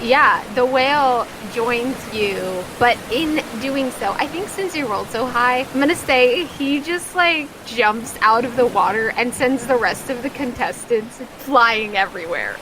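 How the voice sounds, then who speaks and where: High-voiced woman running a tabletop game. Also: animated, measured pace, few pauses, noisy background. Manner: casual, descriptive storytelling. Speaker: game master. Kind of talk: narrating a tabletop roleplaying game. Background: music.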